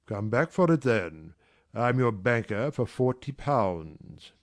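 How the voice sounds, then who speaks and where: A man voicing a brusque, teasing, middle-aged gentleman employer in a dramatized reading of a classic novel. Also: mid-range voice, very animated, slow. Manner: gruff, teasing, commanding.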